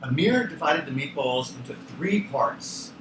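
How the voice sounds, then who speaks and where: A man reading a children's storybook aloud with an expressive, theatrical delivery. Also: mid-range voice, unhurried, background noise. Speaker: children's book author and co-reader. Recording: echoey room, distant from microphone, music.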